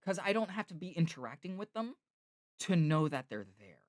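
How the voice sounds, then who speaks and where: Brief: laid-back male streamer, self-mocking, lively pitch, dry close mic. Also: normal speed, no echo. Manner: relaxed, playful, self-mocking. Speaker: streamer and voice actor. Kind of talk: casual chat.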